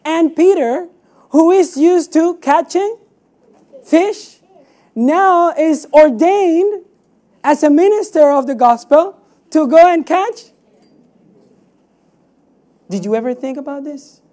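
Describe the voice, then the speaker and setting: Female preacher from Cuba, warm-toned and fairly high, emphatic teaching delivery with rhetorical questions. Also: takes it slowly, pauses often. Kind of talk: sermon.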